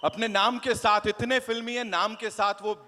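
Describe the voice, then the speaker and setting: High-voiced emcee in a hall. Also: male voice, moderate pace. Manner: energetic, mixes Hindi and English. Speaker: event host. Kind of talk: emcee hyping a live crowd. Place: launch event hall. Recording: reverberant hall with music.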